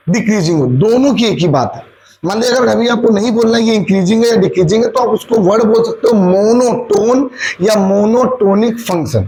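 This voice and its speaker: Man, maths teacher, classroom lecture, high voice, questions and answers, English maths terms in Hindi. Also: a little mellow, a little hiss or hum, rough recording. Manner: asks and answers his own questions.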